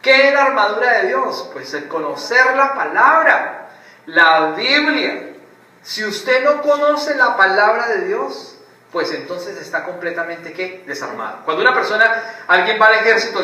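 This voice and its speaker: A man preaching a sermon in an animated way, mocking the way other preachers act out their impressions. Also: high voice, moderate pace. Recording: echoey room heard from a distance, faint background noise.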